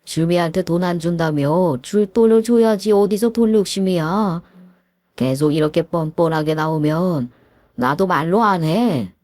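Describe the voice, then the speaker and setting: A menacing young male thug, crude and bullying, as a woman acts him out. His lowered voice sneers and threatens, then flares into shouts. The sound is close and dry, like a storytelling booth. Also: unhurried, no room sound, close to an everyday voice. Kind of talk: Korean audio story acting.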